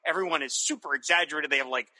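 A man's voice: fairly high pitch, racing, sharp tone, big-room sound, low-quality recording. A man chatting casually as a podcast co-host, enthusiastic and rambling, with many restarts. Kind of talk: casual chat reviewing old cartoons.

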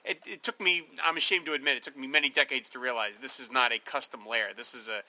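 Male co-host, bright tone, lively storytelling about movies. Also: mid-range voice, fast talker, low-quality recording. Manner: animated, laughs while retelling scenes. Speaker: podcast co-host. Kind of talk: casual film discussion.

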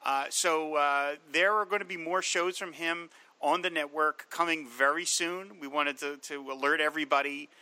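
A man hosting a podcast, talking in a casual, halting way with many restarts. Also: a little high, steady tone, bright, forceful tone, no echo, rough recording. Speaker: podcast host.

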